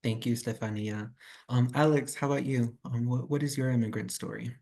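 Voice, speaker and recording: A man moderating a panel discussion, reading guest introductions and asking questions in a measured way. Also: mid-range voice, steady tone, creaky, a little mellow. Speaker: moderator, race and equity reporter.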